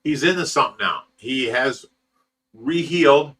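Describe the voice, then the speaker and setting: Bright-voiced man in his sixties. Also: medium pitch, expressive, takes it slowly, far from the mic. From Ohio, USA. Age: 60s. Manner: rambling storyteller, swears freely and laughs often. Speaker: fish rescue host. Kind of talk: casual livestream chat reading viewer comments.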